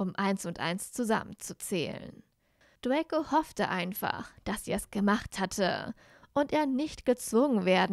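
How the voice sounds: Lively intonation colors a natural reading voice.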